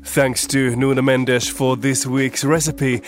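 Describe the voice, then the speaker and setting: A man hosting a podcast, presenting scripted introductions and sign-offs in a measured, even way. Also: mid-range voice, soft background music. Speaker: podcast host.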